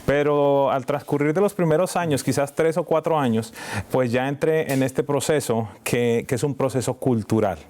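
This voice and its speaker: A man from Colombia, a pastor and financial consultant, explaining money matters in a steady, teacherly way as a guest in a television studio. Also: medium pitch, normal speed. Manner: steady, teacherly, quotes scripture.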